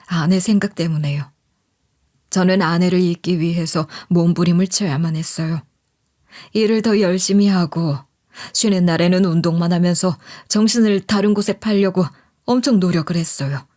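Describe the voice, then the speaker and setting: A woman's voice: fairly low pitch, a little mellow. A woman reading a scripted first-person life story as a narrator.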